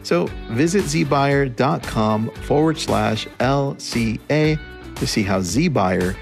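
A man's voice: medium pitch, expressive, slow pace, vocal fry. A man reading a scripted sponsor advertisement as an announcer. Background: guitar music.

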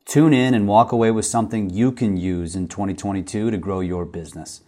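Guy reading a solemn scripted intro, lowish mellow voice. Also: a little fast. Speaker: announcer.

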